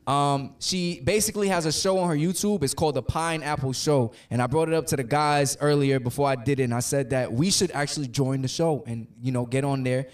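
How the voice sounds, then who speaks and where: A man's voice: medium pitch, fairly quick, few pauses. A man in his late twenties from New York, hosting a podcast and joking loosely with his co-hosts. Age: late 20s. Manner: loose, joking, talks over the others. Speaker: podcast host. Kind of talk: casual chat. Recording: distant from the mic.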